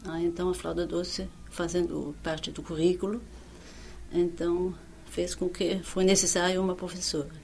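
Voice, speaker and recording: An older woman who is not a native speaker, recalling her years as a music teacher in an oral history interview, speaking haltingly with frequent restarts. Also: lowish voice, level tone, vocal fry, darkish tone, a little hiss or hum. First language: not Portuguese.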